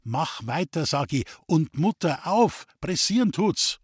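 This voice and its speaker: A man voicing a hoarse, furious young Bavarian farmer. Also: fairly high pitch, expressive, normal speed, dry recording, studio quality, pitched above the performer's own voice. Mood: urgent. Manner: urgent, commanding, hoarse shouting. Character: hot-tempered young farmer's son, desperate.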